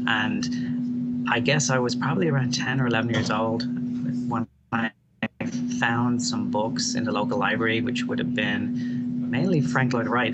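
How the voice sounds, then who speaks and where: A middle-aged man with a Dublin accent who is an architect, talking in a reflective, rambling way with many fillers and restarts. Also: fairly low pitch. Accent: Irish, Dublin. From Ireland. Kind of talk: casual interview. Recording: loud background noise.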